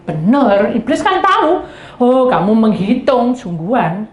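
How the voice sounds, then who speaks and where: Woman, pastor, lively sermon, fairly high voice, echoey church hall. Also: a little slow. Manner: lively storytelling, acting out quoted spouses in a high voice; addresses the congregation directly.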